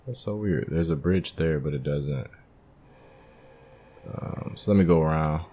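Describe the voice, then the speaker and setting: A man's voice: a bass voice, a little slow, warm tone, slight background noise. A man giving casual, unscripted commentary on a video game, thinking aloud and muttering to himself as he plays. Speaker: gamer, video game playthrough host.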